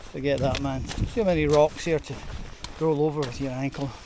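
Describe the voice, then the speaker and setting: Mumbling in a put-on character voice, a man talks fairly quickly at a fairly high pitch with fairly even intonation over light background noise. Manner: mumbling to himself.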